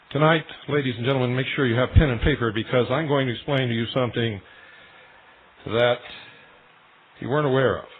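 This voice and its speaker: A male radio host delivering a solemn, deliberate monologue, speaking straight to his listeners as ladies and gentlemen. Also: medium pitch, slightly rough. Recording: tinny shortwave radio broadcast.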